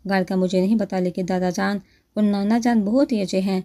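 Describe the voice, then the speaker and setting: A woman voicing a shy, soft-spoken young wife in a storybook reading. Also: medium pitch, fairly even intonation, lightly acted.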